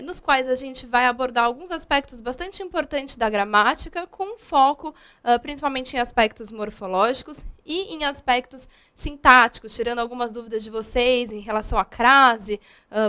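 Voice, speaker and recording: A woman's voice: high voice, pushed and bright, clear, resonant tone. A young woman from Brazil teaching a grammar video lesson, explaining patiently with frequent fillers.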